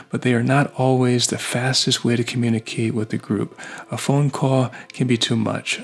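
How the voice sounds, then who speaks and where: A man delivers scripted review narration at a medium pitch. His phrasing is short and measured. Music plays behind the voice. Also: gravelly. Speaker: product reviewer.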